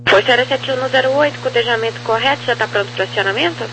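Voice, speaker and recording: A man's voice: very high-pitched, very fast. A man with a Brazilian accent giving clipped air traffic control instructions over aviation radio. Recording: noisy, humming radio transmission.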